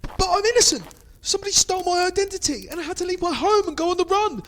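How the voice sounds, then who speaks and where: A man playing a frightened, freezing fugitive wanderer in an audio drama, halting and melodramatic. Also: very high voice, lively intonation, a bit bright. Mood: panicked pleading. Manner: halting, breathy, melodramatic exclamations. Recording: noisy background ambience.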